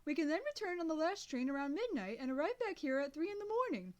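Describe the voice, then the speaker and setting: A woman doing an eager, high boy genius. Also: sing-song, fast talker, muffled recording. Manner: loud, high and insistent.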